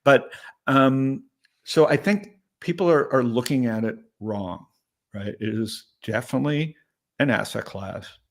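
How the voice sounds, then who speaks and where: A startup investor in his late fifties speaks as an interview guest in a medium-pitched, gravelly voice at a slightly slow pace. The conversation is casual, candid and rambling, and he often checks in with "right?".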